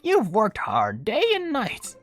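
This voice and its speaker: A woman voicing a grand enchantress cookie in a video game cutscene, with drawn-out, magnanimous delivery. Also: mid-range voice, huge pitch swings, full character voice. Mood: regal, grateful. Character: regal dark enchantress cookie, sweetly magnanimous in a dream. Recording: game audio with music behind.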